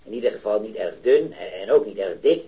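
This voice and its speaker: A man's voice: lowish voice, animated, phone-quality sound, lightly acted. A man playing a stammering eyewitness in his thirties. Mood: unsure, rambling. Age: 30s. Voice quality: halting, stammering, repeats words. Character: hesitant male metal worker, early thirties, eager eyewitness. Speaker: eyewitness to a robbery. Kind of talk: 1970s radio drama acting.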